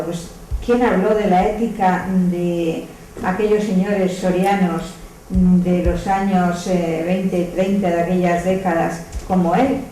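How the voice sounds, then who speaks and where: A woman's voice: medium pitch, warm tone. A woman with an accent from Spain, speaking spontaneously in a reflective, explanatory way during a literary discussion. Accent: Spanish (Spain). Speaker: audience member commenting. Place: echoey indoor hall at a public talk. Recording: distant, very echoey room, faint noise.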